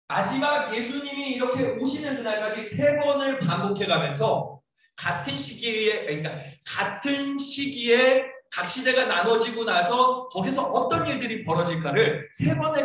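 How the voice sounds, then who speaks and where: High, lively pastor in an echoey church. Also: male voice. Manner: keeps asking the congregation questions; acts out scolding lines in a raised voice. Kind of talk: sermon. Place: church sanctuary. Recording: echoey church hall, mic far off.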